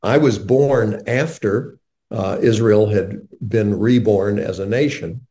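Earnest older male radio host, mellow tone. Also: on the low side, slow. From North Carolina, USA. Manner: earnest, animated storyteller.

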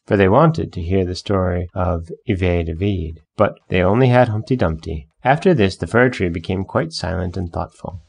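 A man narrating a fairy tale in a measured, gentle storytelling manner. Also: deep voice, creaky, husky.

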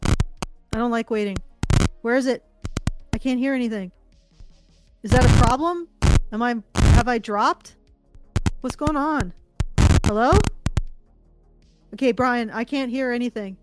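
A woman co-hosting a podcast, chatty and lively in casual talk. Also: a little high, a little slow, long pauses, loud music behind the voice. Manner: chatty, lively, giggles often. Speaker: podcast co-host. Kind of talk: casual chat.

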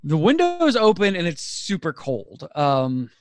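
A man narrating as game master, relaxed and laughing often, with frequent fillers. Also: fairly high pitch, measured pace.

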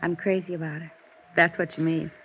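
Tired cagey young mom on old radio, dull hissy broadcast sound. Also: female voice, deep voice, little pitch movement, brisk. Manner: tired, guarded, evasive. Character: weary, guarded young mother hiding from a gangster. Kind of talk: 1950s radio drama acting.

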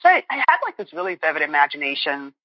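A woman's voice: deep voice, big pitch swings, fast, breathy edge, no room sound. A woman in her forties from Boston, a guest author speaking earnestly and reflectively in an interview. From Boston, United States. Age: 40s. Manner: earnest, reflective, thinking aloud. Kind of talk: conversational interview. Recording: muffled, dry lo-fi line.

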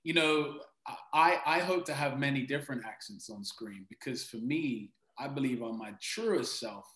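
A man's voice: mid-range voice, lively intonation, normal speed, fairly bright tone. Earnest British man in an echoey room. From Britain. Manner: earnest and reflective, with hesitant restarts. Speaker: actor, interview guest. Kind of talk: conversational interview answers.

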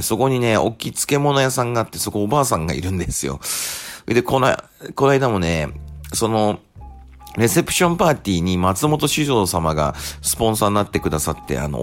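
A man hosting a casual radio segment, telling relaxed stories with plenty of fillers. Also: lowish voice. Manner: chatty, relaxed storytelling with many fillers. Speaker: radio host and rakugo storyteller. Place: Japan.

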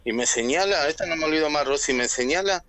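A man's voice: on the high side, lively intonation, quick pace, a bit bright. A man with an Argentine accent calling in to tell a personal story, acting out the voices he quotes. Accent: Argentine Spanish. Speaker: caller. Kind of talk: telling a personal story on air.

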